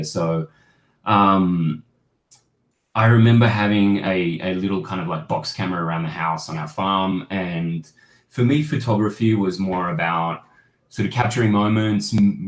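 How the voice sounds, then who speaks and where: A man, a guest photojournalist talking over a video call, reflective and rambling with many fillers. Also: low voice. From Australia. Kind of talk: casual interview storytelling. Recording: roomy home-office echo.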